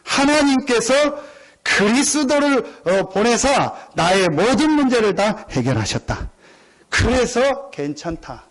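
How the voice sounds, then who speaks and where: A man's voice: extremely high pitch, very animated, slow. A middle-aged man preaching a sermon as pastor, emphatic and repetitive, often calling out to the congregation. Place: church sanctuary.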